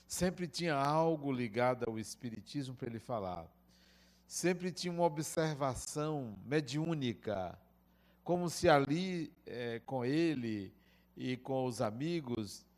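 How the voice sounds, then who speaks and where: A middle-aged man with a Brazilian Portuguese accent giving a lecture, telling personal stories in a reflective, unhurried way. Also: medium pitch, expressive. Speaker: spiritist lecturer. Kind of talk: spoken lecture with personal anecdotes.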